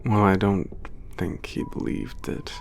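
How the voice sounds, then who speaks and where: A man doing a centuries-old giant with a low, gravelly voice, calm and formal in speech. He is gentle and thoughtful. It plays as a soft ASMR audio drama with faint music behind him. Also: measured pace. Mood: reflective. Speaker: letter-writing narrator.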